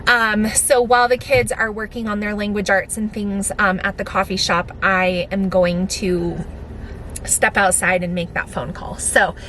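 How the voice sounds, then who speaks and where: Middle aged american mom chatting to her vlog, normal pitch, noticeable car noise behind her. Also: little pitch movement, unhurried, a bit bright. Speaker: vlogger and homeschooling mother. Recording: clearly noisy, vehicle rumble.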